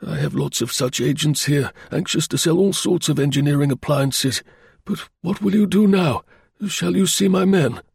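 Man acting an anxious, high-strung inventor, raised pitch. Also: normal speed, gravelly, breathy edge, no room sound, clean studio sound, full character voice. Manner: formal, emphatic, fretful. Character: anxious male engineer-inventor, proud and earnest.

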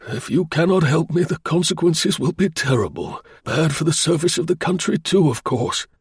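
An earnest, fretful engineer from a storybook, played by a male narrator. His voice sits raised and strained above ordinary talk, formal and emphatic, with a husky, gravelly edge. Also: fairly high pitch, expressive, normal speed, no room sound, studio quality, pitched above the performer's own voice, heavily acted. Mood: desperate. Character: anxious male engineer-inventor, proud and earnest.

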